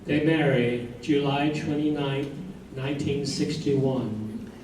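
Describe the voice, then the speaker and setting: A man's voice: mid-range voice, fairly even intonation, takes it slowly, a little mellow. A man narrating in a staged play reading, delivering scripted lines. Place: live staged reading in a room. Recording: very echoey room, distant mic, faint noise.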